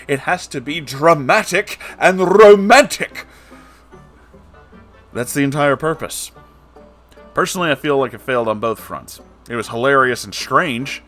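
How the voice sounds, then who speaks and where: A man's voice: medium pitch, fairly bright tone. Guy hosting a book rant, sarcastic n sweary, leans hard on words, bit of music behind. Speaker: host of a book reading series. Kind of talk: casual ranting commentary on a book.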